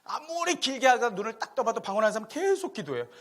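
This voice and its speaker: A middle-aged man preaching a sermon as a pastor, telling a personal story with a loud voice, swinging between loud exclamations and hushed asides. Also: very high-pitched, quick pace. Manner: animated, swings from loud to hushed, laughing at himself. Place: church sanctuary.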